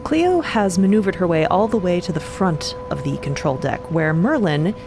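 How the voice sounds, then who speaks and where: A woman's voice: on the low side, animated, moderate pace, music in the background. A woman narrating an adventure story for a fiction podcast in dramatic present tense.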